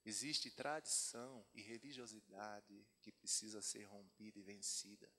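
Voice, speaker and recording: Brazilian preacher in a reverberant hall. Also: male voice, lowish voice, steady tone, normal speed, pushed and bright, husky. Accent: Brazilian Portuguese. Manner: conversational preaching with asides, reading scripture aloud. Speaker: pastor. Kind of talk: sermon. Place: church retreat hall.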